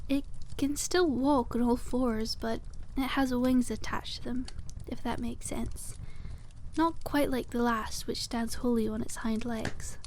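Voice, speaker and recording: Woman playing a high-voiced cute witch shopkeeper, soft-spoken. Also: fairly even intonation, measured pace, a little hiss or hum, lightly acted. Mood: enthusiastic, informative. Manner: gentle sales patter, quaint polite wording. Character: cute, cheerful young witch keeping a dragon egg shop. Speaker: ASMR roleplay performer. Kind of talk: soft-spoken ASMR roleplay, one-sided conversation with a customer.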